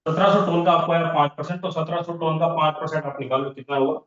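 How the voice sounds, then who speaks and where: A man's voice: fairly high pitch, steady tone, fast talker, a bit bright. A man running an online business training session, repeating figures as he walks through the sums step by step. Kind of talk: online training session explaining income plans. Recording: roomy, dull lo-fi online call audio.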